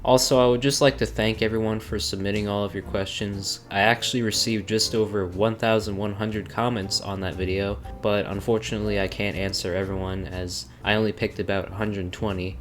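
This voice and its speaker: Bored-sounding young man, lowish voice over music. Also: a little fast, hardly any pauses. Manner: flat, bored-sounding delivery. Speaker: YouTuber. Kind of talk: casual scripted Q&A narration. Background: background music.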